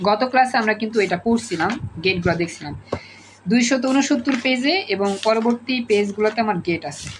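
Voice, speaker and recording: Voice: mid-range voice, a little fast, background noise. A woman with a Bangladeshi Bengali accent teaching an online class, repeating points and coaxing students to answer over a video call.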